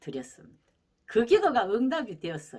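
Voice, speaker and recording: A woman speaks in a Gyeongsang accent at a medium pitch. Her voice has vocal fry and very wide pitch swings. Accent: Gyeongsang dialect, rough speech. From Gyeongju, Gyeongsang region, South Korea. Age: 70s. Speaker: pastor, evangelist. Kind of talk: testimony.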